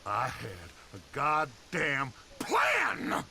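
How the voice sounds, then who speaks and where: A man playing a furious, theatrical villainous schemer with a raspy, strained shouting voice. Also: a little high, huge pitch swings, extremely slow, soft background music, full character voice.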